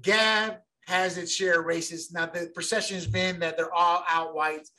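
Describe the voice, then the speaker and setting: A man co-hosting a casual sports podcast, talking in an animated, rambling way and repeating words as he gets going. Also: high-pitched, normal speed. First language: bilingual since childhood. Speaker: podcast co-host.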